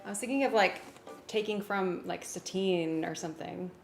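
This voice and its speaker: A woman's voice: medium pitch, normal speed, gravelly, faint music behind. A woman in casual working conversation, tentative and thinking aloud. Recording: echoey room with faint noise.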